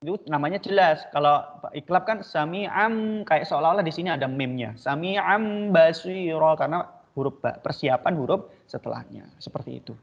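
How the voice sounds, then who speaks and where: A male teacher with a fairly high voice walks students through pronunciation, repeating each Arabic sound slowly and patiently. The recording is dull and lo-fi, with the top end rolled off. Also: vocal fry. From Indonesia. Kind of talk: online tajwid lesson.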